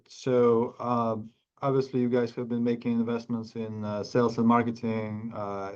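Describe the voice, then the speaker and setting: A man asking questions as a financial analyst on an earnings call, speaking haltingly with stammered repeats, over lo-fi audio. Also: medium pitch, darkish tone.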